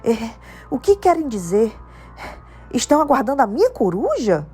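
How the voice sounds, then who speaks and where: A woman's voice: on the high side, very animated, normal speed, mellow, breathy edge, pitched above the performer's own voice, full character voice. A woman voicing a confused, anxious young boy who asks hesitant questions. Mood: bewildered.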